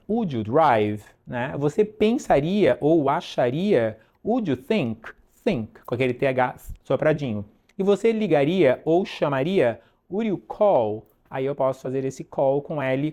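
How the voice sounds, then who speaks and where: A man's voice: fairly high pitch, lively intonation, normal speed, hardly any pauses, warm tone. A man from Brazil teaching an English lesson in a casual, rambling way, full of fillers and asides.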